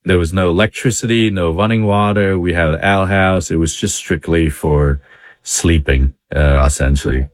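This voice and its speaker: A man from Vietnam with a very low voice tells his story as an interview guest. He talks in a loose, chatty way and leans on lots of fillers. The recording is dry, with almost no room sound. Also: normal speed, no echo. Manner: conversational, many fillers, chuckles now and then. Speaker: interview guest, business owner.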